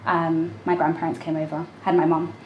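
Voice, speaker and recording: A woman's voice: low-pitched, little pitch movement, fairly quick, muffled recording. A woman, chatting casually as an interview guest, giggly and full of ums. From London, UK. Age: 20s. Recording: echoey room, faint background noise.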